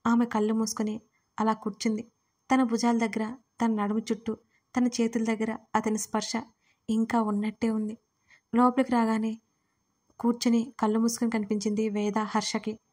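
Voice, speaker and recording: A woman narrating a serialized romance audio story in an even, measured reading. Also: a little high.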